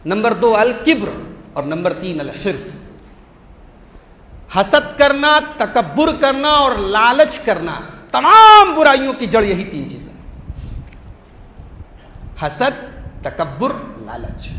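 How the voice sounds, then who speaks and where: A man's voice: high voice, bright, forceful tone. A man preaching a sermon in an emphatic, repetitive, rhetorical way. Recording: echoey hall, faint hum.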